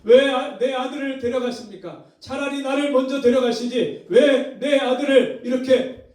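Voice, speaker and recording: A man's voice: very high-pitched, normal speed, a little mellow, pitched above the performer's own voice. A man acting out a grief-stricken middle-aged church elder, wailing and pleading in a sermon. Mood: anguished pleading. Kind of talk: acted quote in a sermon. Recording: very echoey hall, mic far off.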